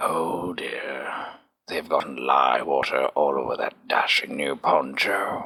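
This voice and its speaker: Putting on a character voice, a man sounds raspy. His delivery is fairly slow. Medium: audio drama. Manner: prim, fretful.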